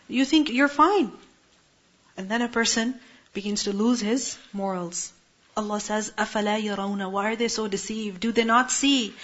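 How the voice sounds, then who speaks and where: A woman teaching a Quran lesson to a class, explaining Arabic words one by one and posing rhetorical questions to her students. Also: on the high side. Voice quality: asks rhetorical questions, translates Arabic word by word. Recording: muffled lo-fi recording.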